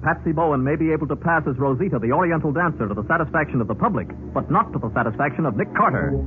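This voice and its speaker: Loud music swells under a thin vintage radio recording. A man as a dramatic serial announcer narrates briskly in a slightly high voice. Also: lively intonation, narrow, tinny audio, natural voice. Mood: dramatic, teasing.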